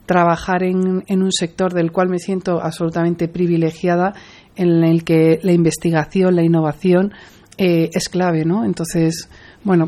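A woman in her forties from Madrid, Spain, a pharmaceutical executive appearing as an interview guest, answers questions earnestly. Her voice is lowish and mellow, and she often hesitates and restarts her sentences.

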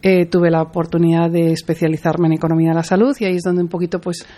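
A woman's voice: fairly low pitch, little pitch movement, quick pace, dark tone. A woman in her forties from Madrid, answering interview questions earnestly with frequent hesitations and restarts. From Madrid, Spain. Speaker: guest, pharmaceutical executive. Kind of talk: interview conversation.

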